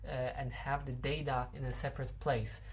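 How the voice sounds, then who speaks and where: With a Polish accent, a man speaks in a space where room echo is audible. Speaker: game developer. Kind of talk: tutorial. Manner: halting, many filler words.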